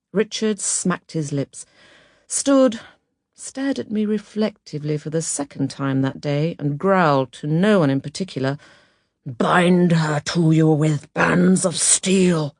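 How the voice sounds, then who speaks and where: A woman narrating an autobiography audiobook in a measured, expressive storytelling manner. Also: low voice, dry recording, clean studio sound. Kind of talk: scripted memoir narration.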